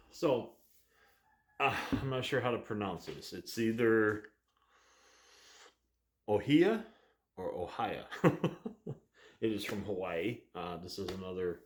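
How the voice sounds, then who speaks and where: A man hosting a woodturning vlog, chatting casually in a relaxed, rambling way with frequent chuckles. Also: low voice, roomy sound. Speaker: woodturning channel host. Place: barn workshop.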